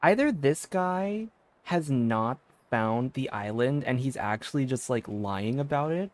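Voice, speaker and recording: A man's voice: mid-range voice, animated, measured pace. A man giving casual, sarcastic game commentary as a streamer, informal and sweary.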